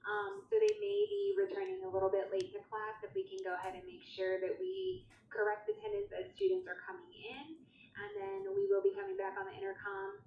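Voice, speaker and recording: A woman's voice: high voice, sing-song, a little fast. A woman making a polite public announcement over a school intercom, repeating her notices. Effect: school intercom loudspeaker. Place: school, heard over the classroom speaker. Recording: echoey muffled intercom with faint noise.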